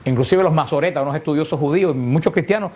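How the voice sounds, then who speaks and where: A man with a somewhat high voice leads a catechesis class. He explains patiently, often stopping to throw a question at his listeners before he answers it himself. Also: fast, a little mellow. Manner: explanatory, asks rhetorical questions and answers them. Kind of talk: catechesis lesson to a group.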